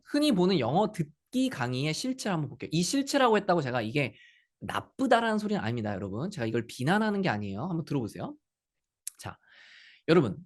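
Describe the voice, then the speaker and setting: A man in his thirties lectures on learning English, his voice swinging lively up and down as he asks the viewers question after question. He teases other teachers' methods in a playful way and keeps speaking directly to the audience. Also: fairly high pitch. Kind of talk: animated lecture.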